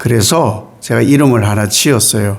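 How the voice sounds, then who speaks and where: A man in a Gyeongsang accent is heard with audible room echo and noticeable background noise. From Gyeongbuk, South Korea. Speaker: pastor. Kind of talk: sermon.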